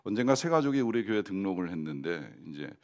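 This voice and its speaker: A male pastor gives a Sunday sermon in a church, his voice sitting fairly low. He keeps a relaxed, conversational delivery, full of small fillers and questions put to the congregation. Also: fast. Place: church sanctuary.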